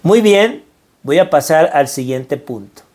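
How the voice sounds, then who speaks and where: With a fairly high, slightly mellow voice, a middle-aged Venezuelan man speaks in an animated but unhurried way. He is a financial mindset speaker whose earnest, preacher-style motivational talk in Venezuelan Spanish leans on repeated phrases for emphasis.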